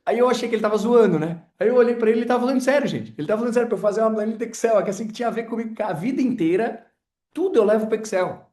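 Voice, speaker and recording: A man's voice: sits high, racing, mellow, reverberant. A man teaching an informal sales class, chatty and full of personal stories, talking straight to his audience. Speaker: sales trainer.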